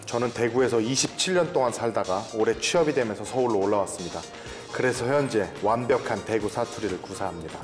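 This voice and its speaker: A man on a career advice panel who reads a listener's letter, then tells his own stories in an animated way. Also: on the low side, fast talker, hardly any pauses, long reverb tail, music in the background. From Korea, moved around the country as a child. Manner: animated storyteller who slips into a dialect when excited. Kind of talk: reading a letter, then casual panel chat.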